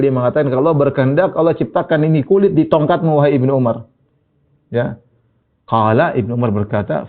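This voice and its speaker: Tinny-sounding man preaching a story. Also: fairly high pitch. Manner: animated retelling with Arabic quotes, chuckles. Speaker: Islamic preacher. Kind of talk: storytelling religious lecture.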